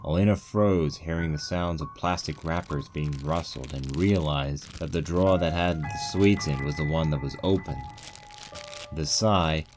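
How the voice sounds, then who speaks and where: A man's voice: deep voice, a little mellow. A man reading a scripted story as its narrator. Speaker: narrator of a fan fiction reading.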